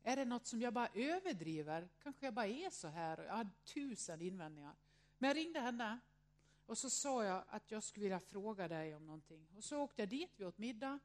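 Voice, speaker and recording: A woman's voice: mid-range voice, big pitch swings. A woman around sixty tells a personal story to an audience, earnest and reflective, often filling her speech with little hesitation words. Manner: acts out quoted voices in her story.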